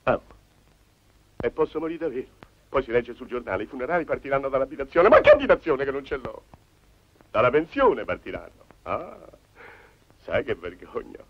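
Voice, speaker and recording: Whiny bachelor hypochondriac. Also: male voice, mid-range voice, big pitch swings, moderate pace, pauses often. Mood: panicky. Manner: whiny, fretful muttering to himself, swings to wailing complaints. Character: fussy, self-pitying hypochondriac middle-aged bachelor man. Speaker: film character. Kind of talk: 1950s film comedy acting. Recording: dull old film soundtrack with faint hiss and music.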